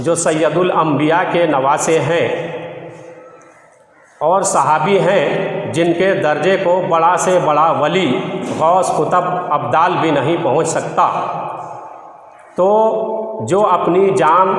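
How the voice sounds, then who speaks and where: A male Muslim preacher delivers a formal sermon in a fairly high voice. He explains his points emphatically, circling back to repeat them in Arabic-laced phrasing. The sound is drenched in echo with a long reverberant tail.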